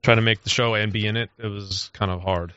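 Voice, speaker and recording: A man's voice: lowish voice, fairly even intonation, fairly quick, sharp tone, clean tone, dry recording. A man co-hosting and producing a podcast, griping in casual, exasperated chat. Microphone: close podcast microphone. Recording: dull close-miked podcast audio.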